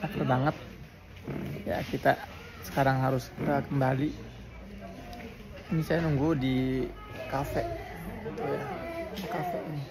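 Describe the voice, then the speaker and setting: A man's voice: mid-range voice, animated, measured pace, pauses often, over music, low-quality recording. A tired man from Indonesia chatting earnestly in a casual vlog, reporting from a border crossing. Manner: chatty and earnest, with soft laughs. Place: outdoors at a crowded border crossing, then a cafe. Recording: crowd noise behind. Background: crowd chatter.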